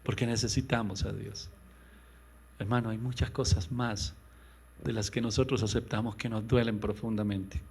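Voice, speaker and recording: A male pastor delivering an impassioned sermon, swinging between loud, raised lines and hushed, low ones, and acting out quoted voices in a higher pitch. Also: little pitch movement, normal speed, husky. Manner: impassioned preaching with sudden loud rises and hushed drops. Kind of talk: radio sermon.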